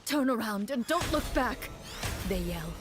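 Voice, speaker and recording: A woman playing a composed game master, narrating a fantasy adventure in a video game with measured, dramatic storytelling. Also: on the high side, animated, loud music behind the voice.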